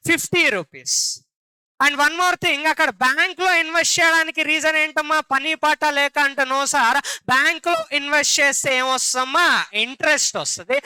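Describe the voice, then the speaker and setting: A man's voice: extremely high pitch, sharp tone, no room sound, low-quality recording. A man with a Telugu accent teaching a classroom lecture, often repeating questions and calling on his students for answers.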